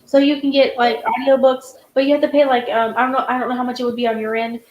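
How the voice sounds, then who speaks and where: A chatty woman host who rambles and restarts her sentences, her voice sitting a little high. The sound carries a roomy echo around her. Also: little pitch movement, fast talker, muffled recording. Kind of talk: casual video-call chat.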